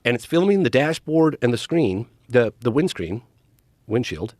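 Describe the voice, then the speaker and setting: Middle-aged male storyteller, lively up-and-down delivery, dry close mic, acts out the voices in his tale. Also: mid-range voice, moderate pace, no echo. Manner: animated, acts out quoted dialogue. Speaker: documentary filmmaker guest. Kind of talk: casual storytelling in a podcast interview.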